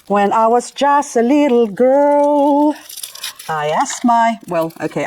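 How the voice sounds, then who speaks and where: A medium-pitched voice belongs to a middle-aged gardening vlogger raised in the Philippines, who chats playfully with self-mocking asides while cleaning up and repotting succulents. The recording is rough, with slight noise in the background.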